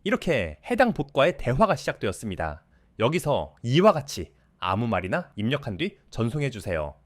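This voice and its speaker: A man calmly narrating a step-by-step coding tutorial in polite, scripted instructions. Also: medium pitch, moderate pace, dry recording.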